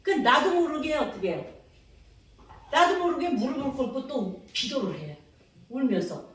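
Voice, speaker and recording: A woman's voice: high voice, very animated, normal speed. A woman pastor preaching a revival sermon, dramatically acting out her own prayers and calling for amens. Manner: calls for amens from the congregation. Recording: very echoey hall, mic from a distance.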